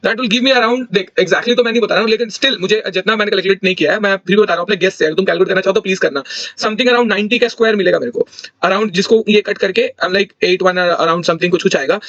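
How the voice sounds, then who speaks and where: A young man with a fairly high voice talks through exam solutions in a casual, thinking-aloud way, often correcting himself mid-sentence. The recording is dull and lo-fi, with a dry, close sound. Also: fast talker, a bit bright, no echo. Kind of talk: casual explanatory walkthrough.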